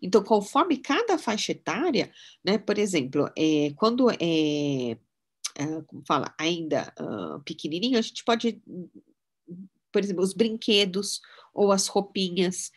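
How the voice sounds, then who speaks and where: A middle-aged woman, a mind-mapping instructor, giving a casual teaching talk with personal anecdotes in a chatty, relaxed way. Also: on the low side, unhurried. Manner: chatty, relaxed, often adds "né?" tags.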